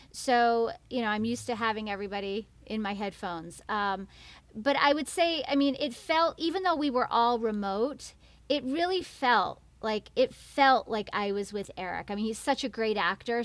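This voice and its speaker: An American woman with a fairly high voice chats as an interview guest. She is expressive and enthusiastic, and the sound is dry with no room echo. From New York. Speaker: guest, voice actor. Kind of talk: casual interview chat.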